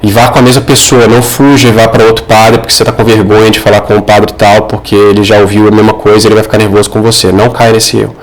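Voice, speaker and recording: A man's voice: on the low side, level tone, fast, few pauses, poor audio. Earnest Brazilian man giving religious advice. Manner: earnest, didactic, addressing the listener directly. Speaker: Catholic advice video creator. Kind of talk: informal religious advice monologue.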